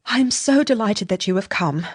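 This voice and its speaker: A man's voice: animated, normal speed, breathy edge, no room sound, studio quality. A man voicing a pleading young woman. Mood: earnest. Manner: earnest, pleading, high and breathless. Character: anxious young woman seeking help. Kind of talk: audiobook character reading.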